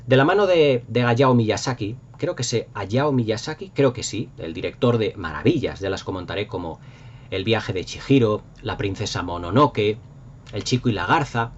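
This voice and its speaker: A man's voice: on the low side, animated, moderate pace, highs cut off, slight background noise. A middle-aged man with an accent from Spain, talking casually and nostalgically as a video host in an enthusiastic, effusive, rambling way. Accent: Spanish from Spain.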